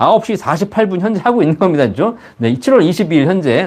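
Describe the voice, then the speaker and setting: A man's high-pitched voice at a fairly quick pace. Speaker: pension advice show host. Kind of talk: live Q&A broadcast. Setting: live stream studio. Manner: fast; continuous, no pauses.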